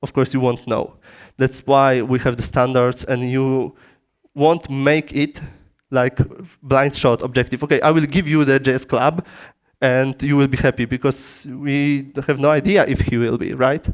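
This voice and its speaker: A man with a Polish accent giving a technical lecture in a conference room through a PA system, in halting English with frequent restarts. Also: mid-range voice, level tone. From Poland. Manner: halting non-native phrasing with frequent restarts.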